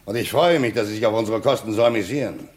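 A man's voice: on the low side, quick pace, close to an everyday voice. A man playing a stern, impatient warden. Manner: dry, clipped and impatient. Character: stern male prison warden, curt and unimpressed. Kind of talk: radio play acting.

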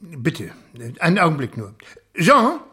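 An actor playing a prim, obsequious, respectable jeweller in a German radio crime comedy, speaking formally, fussily and wordily. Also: male voice, fairly high pitch, huge pitch swings, measured pace, bright, forceful tone, husky, exaggerated voice. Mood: courteous. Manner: formal, fussy, wordy.

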